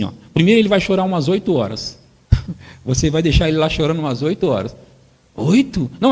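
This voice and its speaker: Brazilian male pastor, sermon, lively pitch, acts out scenes, reverberant church hall. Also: slightly rough. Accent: Brazilian Portuguese. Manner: animated, acts out parents and crying children.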